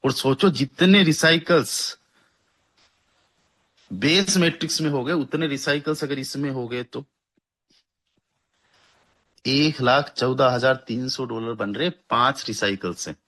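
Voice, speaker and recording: A young man giving a persuasive sales pitch for a network marketing plan, hyping earnings and repeating figures to his listeners. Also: unhurried, long pauses, a bit bright.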